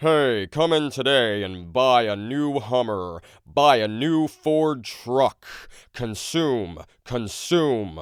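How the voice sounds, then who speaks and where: A man puts on a character voice at a medium pitch and speaks very slowly. The recording is very clean, with a silent background. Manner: hard-sell, loud, pushy.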